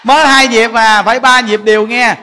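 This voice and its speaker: A man's voice: extremely high pitch, fairly even intonation, moderate pace. A man giving a folksy Dharma talk to a temple congregation, coaxing them with questions. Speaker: Buddhist monk teaching. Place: large temple hall with congregation. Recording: long hall reverb, faint noise.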